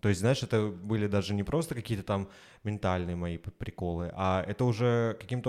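On a very clean recording with a silent background, a man speaks at a fairly quick pace and fairly low pitch. He has an ordinary speaking voice with fairly even intonation. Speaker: podcast host. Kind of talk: casual chat.

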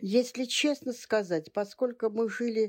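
Very slowly, a woman speaks in a fairly high pitch with a dark, mellow tone. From Samara, Russia. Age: 70s. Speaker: grandmother. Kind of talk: casual interview.

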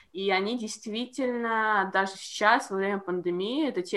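The tone is bright and sharp. The pitch variation is ordinary. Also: woman. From Latvia. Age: 20s. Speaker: master's student. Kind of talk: casual interview.

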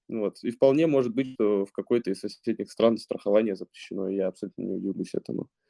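Fairly low in pitch, a man rattles along at a very fast pace in a dark, mellow tone. The sound is dry and close, with no echo. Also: ordinary pitch variation. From Russia. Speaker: entrepreneur. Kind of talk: interview.

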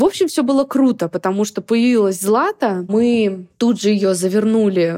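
A woman's dark, mellow tone at medium pitch, moderate pace and ordinary pitch variation. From Moscow, Russia. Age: 30s. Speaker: blogger. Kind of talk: interview.

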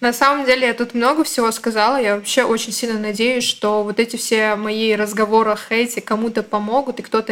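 A woman's fairly high, flat monotone at a moderate pace, over noticeable background noise. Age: 20s. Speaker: social media marketing expert and blogger. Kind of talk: podcast interview.

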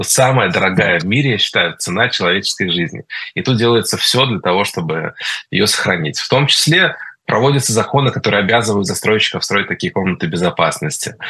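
In a bright, sharp tone, a man talks at a fairly quick pace with lively intonation. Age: 30s. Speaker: stand-up comedian. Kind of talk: interview.

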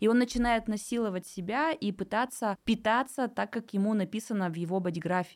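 This is a woman with an unremarkable speaking voice and ordinary pitch variation. The recording is very clean, with a silent background. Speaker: human design consultant. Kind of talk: interview.

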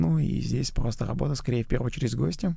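A man talks at a very fast pace. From small Russian town. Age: 20s. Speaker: chef. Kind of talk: casual interview.

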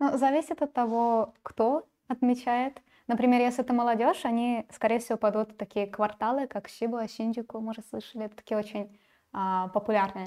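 Dry and close with no echo, a woman's dark, mellow voice moves at a fairly quick pace with fairly even intonation and a fairly high pitch. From Belarus. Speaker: shogi student, tournament winner. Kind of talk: casual live stream chat.

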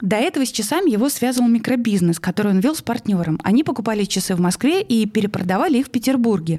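With a dark, mellow, somewhat breathy tone and a fairly high pitch, a woman talks at a fairly quick pace in a very clean recording with a silent background. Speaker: podcast host. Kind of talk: interview.

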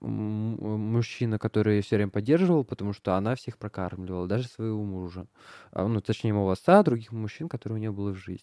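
A man's fairly low-pitched voice with a dark, mellow tone, a fairly quick pace and ordinary pitch variation, in a dry, close sound with no echo. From Moscow, Russia. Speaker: drag performer. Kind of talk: casual chat. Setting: studio.

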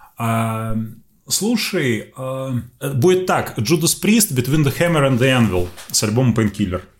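Very slowly, a man talks in a somewhat breathy voice at a medium pitch. His pitch swings very widely. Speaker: comics translator and writer. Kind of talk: casual chat. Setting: remote recording.

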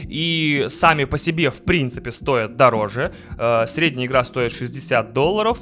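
Over noticeable background noise, a man speaks at a fairly slow pace with hardly any pauses and ordinary pitch variation. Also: medium pitch for a man. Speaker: video game enthusiast. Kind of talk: casual chat.

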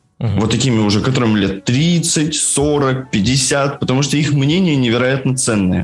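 Pitched in the medium range, a man talks at a moderate pace. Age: 20s. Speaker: interviewee sharing personal experience of ADHD. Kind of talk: interview testimony. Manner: halting, filler-heavy speech.

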